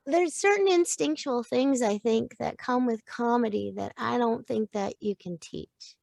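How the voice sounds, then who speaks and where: A middle-aged woman with a high, bright-pitched voice speaks at an unhurried pace, coaching-style and playful, laughing often as she thinks out loud. The sound is dry and close, with no room around it. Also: vocal fry, no echo. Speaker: podcast guest, voice actor and coach. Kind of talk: casual interview chat.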